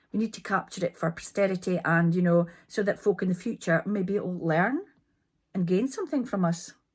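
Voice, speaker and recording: In a very clean recording with a silent background, a woman at medium pitch talks at a fairly quick pace, somewhat breathy, with ordinary pitch variation. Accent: North East Scottish. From North East Scotland. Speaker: oral history interviewer. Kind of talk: introduction to camera.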